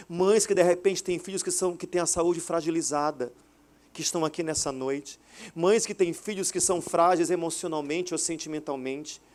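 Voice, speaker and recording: A man in his thirties preaching a sermon at a church service, animated, acting out quoted dialogue. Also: high-pitched. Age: 30s. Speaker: pastor. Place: hotel auditorium church service.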